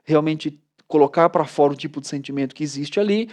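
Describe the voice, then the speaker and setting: Slightly high and fairly quick, the voice belongs to a pastor in his thirties with a Brazilian Portuguese accent. His casual studio conversation is full of animated storytelling and frequent "né" tags.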